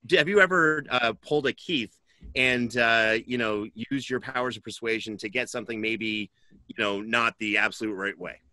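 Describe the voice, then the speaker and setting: A middle-aged man hosts a podcast in a very bright, forceful voice. The sound is close and dry, as on a headset call, and he speaks in a presenter's style. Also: mid-range voice, normal speed, no echo, rough recording. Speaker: podcast host. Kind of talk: interviewing and presenting to an audience. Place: indoors on a video call.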